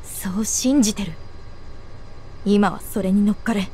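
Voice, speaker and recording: An actress voicing a blunt, tomboyish teenage girl soldier in a game, speaking in a terse, gruff way. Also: measured pace, a little mellow, a little hiss or hum, natural voice. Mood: earnest. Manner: gruff, terse, low-key. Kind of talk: game voice acting. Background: game music.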